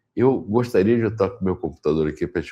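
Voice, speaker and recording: Lively in intonation and dark and mellow in tone, a man speaks at a fairly quick pace against a quiet background. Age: 80s+. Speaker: programming professor and author. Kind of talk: interview.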